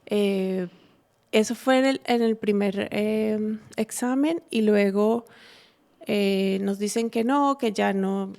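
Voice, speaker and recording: A woman's voice: medium pitch, gravelly, a little mellow. Earnest woman sharing a testimony. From Colombia. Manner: halting, many fillers and restarts, earnest. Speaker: guest giving a testimony. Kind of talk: personal faith testimony.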